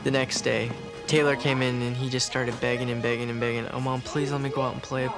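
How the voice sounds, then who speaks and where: Fast-talking young man, gravelly voice. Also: mid-range voice, flat delivery. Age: young adult. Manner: fast, urgent retelling. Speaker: eyewitness brother. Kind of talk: interview recollection. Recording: music bed under voice.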